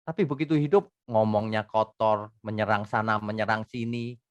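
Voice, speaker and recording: A middle-aged man preaching an expository sermon as pastor, emphatic, rising to loud bursts and dropping to quiet asides. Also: fairly low pitch, normal speed, no echo, dull audio.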